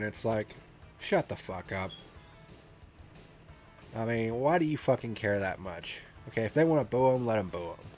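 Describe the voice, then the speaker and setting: A man hosting a racing review show, talking casually with a blunt, profane, ranting manner, and sounding congested from a cold. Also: mid-range voice.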